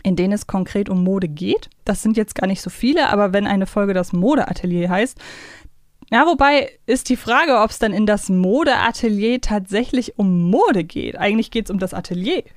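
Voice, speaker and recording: A woman's voice: mid-range voice, normal speed, dry recording, clean studio sound. A woman hosting a podcast in a casual, conversational chat style. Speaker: podcast host. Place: close, dry podcast recording.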